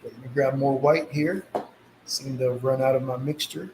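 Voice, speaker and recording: A man's voice: medium pitch, fairly even intonation, normal speed. A man with slight sniffles leads a casual live painting tutorial in a reassuring, easygoing way. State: slight sniffles from a mild cold. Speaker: painting instructor hosting a live session. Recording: roomy echo, some background noise.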